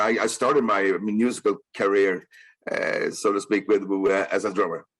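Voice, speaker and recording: With a Swedish accent, a man talks at a fairly quick pace. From Sweden. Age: 50s. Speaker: rock singer. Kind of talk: interview conversation. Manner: halting.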